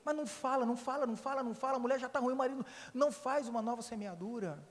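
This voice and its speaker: A pastor with a notably high voice preaches in a lively, joking, emphatic way. His sermon rings out in a church, with a long reverb trailing his words. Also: very fast.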